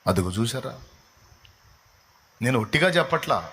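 A man's voice: mid-range voice, big pitch swings, moderate pace, fairly bright tone. A man preaching a sermon, impassioned and often rising into pleading, tearful prayer.

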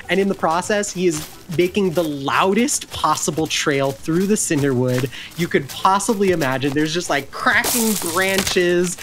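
A woman narrating a tabletop role-playing game as game master. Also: low-pitched.

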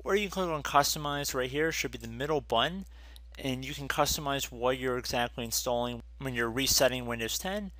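A man's voice: medium pitch, brisk, pushed and bright, no echo. A man narrating a screen-recorded computer tutorial, casually walking viewers through each step.

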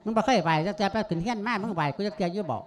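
A man's voice: high voice, rapid-fire, lightly acted. A man with an Isan accent voicing a grumpy old village grandmother who scolds her daughter-in-law bluntly in a sermon folk drama, speaking into a handheld mic. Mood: scolding. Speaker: monk performing a sermon tale. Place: outdoor tent at a temple gathering.

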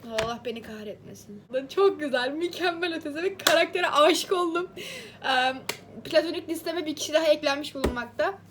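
High-voiced chatty woman vlogger. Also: a little fast, noisy background. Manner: chatty and highly expressive, addressing viewers as friends. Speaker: book vlogger. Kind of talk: casual reading-marathon vlog.

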